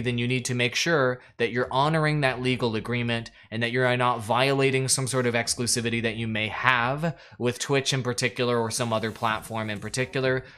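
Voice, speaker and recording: A man's voice: medium pitch, a bit bright, clear, resonant tone. Guy on a live stream chatting to chat, plugging his patreon, talks right at the viewers. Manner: chatty, addresses viewers directly, promotes patrons. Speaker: live streamer coaching creators. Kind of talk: casual live stream talk. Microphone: desk mic, pulled in closer later.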